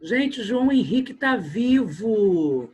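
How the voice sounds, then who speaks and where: High-voiced male teacher on a call. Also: very animated, takes it slowly, darkish tone, husky. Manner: chatty, joking with students. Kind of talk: online class. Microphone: video call.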